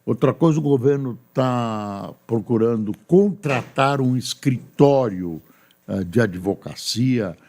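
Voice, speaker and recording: An older Brazilian man, a news anchor, reading newspaper stories aloud and adding chatty, unhurried remarks between them. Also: medium pitch, lively intonation, a little mellow.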